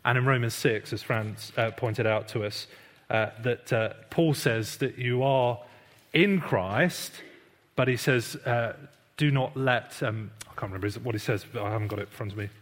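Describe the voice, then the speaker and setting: A man's voice: mid-range voice, normal speed. Man, church teaching talk, chatty with fillers, reverberant room. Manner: conversational, self-deprecating, many fillers. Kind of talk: sermon-style teaching talk. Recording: long hall reverb.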